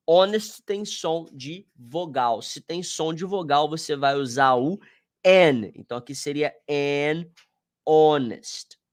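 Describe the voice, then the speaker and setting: Speaking slowly in a slightly high voice, a Brazilian Portuguese–accented man runs an online exam review class. His tone is casual and full of slang as he talks straight to his students.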